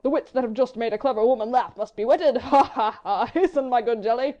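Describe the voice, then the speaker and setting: A woman doing a loud, foppish English baronet. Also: very high voice, a little fast, muffled recording, voice pushed up. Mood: boisterous. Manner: loud, blustering, affected aristocratic drawl. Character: foppish, drawling English baronet, lazily jovial.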